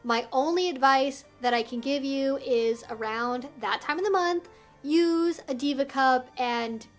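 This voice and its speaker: A woman hosting an explainer vlog, speaking straight to viewers with careful, emphatic phrasing. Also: high-pitched. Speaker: video host and educator.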